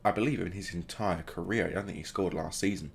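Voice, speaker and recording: A man's voice: low voice, fast talker, vocal fry, husky. A man hosting a gaming video, casually commentating the play as it happens and adding joking asides. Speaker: gaming channel host.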